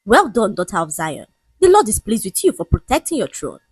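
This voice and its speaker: A greedy woman pastor, as a storyteller puts her on preaches and demands in a husky voice that rises and falls with lively swings. Her is strong, and the recording sounds dry and close. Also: medium pitch, brisk, no echo. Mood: preachy.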